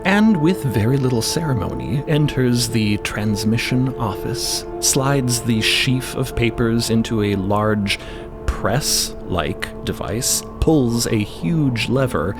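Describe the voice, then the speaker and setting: A man's voice: medium pitch, lively intonation, takes it slowly, music in the background. A man narrating a scripted audio story in a dramatic style.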